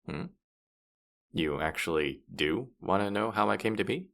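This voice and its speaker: A man's voice: low-pitched, measured pace, vocal fry, a bit bright, heavily acted. A man playing a boastful, teasing demon who guides souls through the afterlife, playful and smug in a fantasy audio roleplay. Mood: explaining, hesitant. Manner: playful, smug, mock-offended, hesitating mid-thought. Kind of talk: scripted character audio roleplay addressed to the listener.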